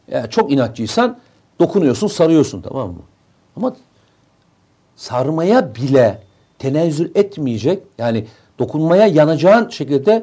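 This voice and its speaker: The voice has a dark, mellow tone with vocal fry and very wide pitch swings. The pace is moderate, broken by long, frequent pauses. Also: man. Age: 50s. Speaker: security and defence commentator, author. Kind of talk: casual chat.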